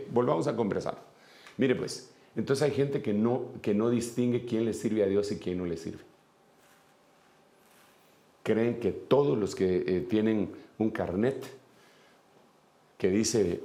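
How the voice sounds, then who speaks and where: A man's voice: lowish voice, dark tone. A man teaching the Bible in a folksy, conversational way, speaking directly to the viewer on camera.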